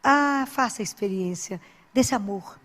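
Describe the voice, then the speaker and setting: A woman's voice: medium pitch, unhurried, fairly bright tone, big-room sound. A woman who is a Christian speaker and doctor, giving an informal sermon full of anecdotes in an earnest, exhorting, conversational way.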